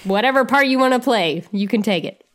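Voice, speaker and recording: A woman's voice: on the high side, lively intonation, brisk. A woman co-hosting a podcast, talking casually about a movie with many restarts and fillers. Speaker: podcast co-host. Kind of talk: casual film discussion.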